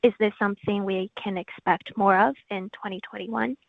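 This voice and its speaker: A woman's voice: medium pitch, steady tone, moderate pace, creaky, no room sound. A woman analyst politely asking questions on an earnings call. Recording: dry tinny phone line.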